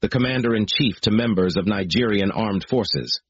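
A man with a low, husky voice reads a formal proclamation, solemn and measured, each clause weighed out. The recording is dry and dull, with a slightly muffled lo-fi sound. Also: fairly bright tone, no echo. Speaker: speaker reading a declaration.

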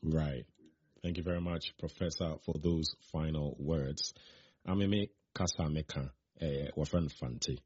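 A man's voice: very deep voice, steady tone, measured pace, darkish tone, slightly rough. A man from Ghana hosting an interview, asking questions hesitantly with fillers and thanking guests politely. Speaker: radio show host. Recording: slightly muffled broadcast audio.

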